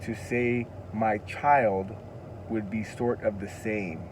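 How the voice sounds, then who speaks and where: A man's voice: lowish voice, steady tone, takes it slowly, a little mellow, a little hiss or hum. A man with a Californian accent giving a casual language lesson, earnest and a little preachy, repeating words for emphasis as he reads a children's alphabet book aloud. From United States. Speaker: language teacher.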